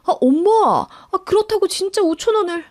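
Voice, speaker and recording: A blunt, plain-spoken young husband who is easygoing but quick to get upset, voiced by a woman narrator. The voice sits fairly high and moves a lot in pitch. He sounds like a figure in a spoken radio-drama story. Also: very animated, a little mellow, no echo, studio quality. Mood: exasperated.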